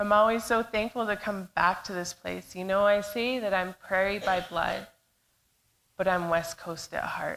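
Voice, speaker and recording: Speaking at a medium pitch and a fairly slow pace, a woman keeps a monotone, flat intonation. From Vancouver Island, British Columbia. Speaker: storyteller. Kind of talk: personal storytelling on stage. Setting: stage with audience. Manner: loud.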